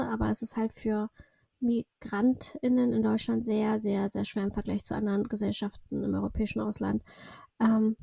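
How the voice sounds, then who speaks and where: A woman in her thirties who grew up speaking Russian, with a fairly high voice that stays flat in melody and carries a gravelly fry. Her tone is dark and breathy, recorded dry and close. She talks as a guest in a rambling, reflective way, full of fillers and self-corrections. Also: dry recording. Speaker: podcast guest, entrepreneur. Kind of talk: casual interview chat.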